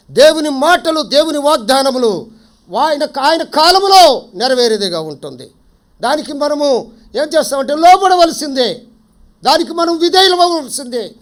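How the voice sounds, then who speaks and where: A man's voice: very high-pitched, a bit bright. A man preaching a sermon in a prayer house, often quizzing the congregation and repeating key phrases.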